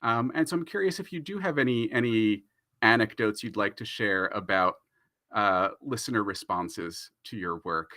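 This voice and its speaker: A man moderating a panel conversationally, phrasing his thoughts in a halting, reflective way. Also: lowish voice, pushed and bright, dry recording, studio quality.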